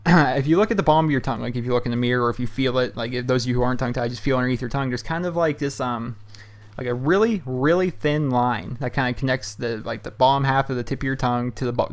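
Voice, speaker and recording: A young man in his bedroom chats through viewer questions at a quick clip, words tumbling out. His delivery is loose and rambling, full of um, uh and you know. His pitch sits in an ordinary middle range. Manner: loose and chatty, heavy on fillers like um and you know. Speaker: YouTube host answering viewer questions. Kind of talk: casual rambling commentary. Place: his hot bedroom at home.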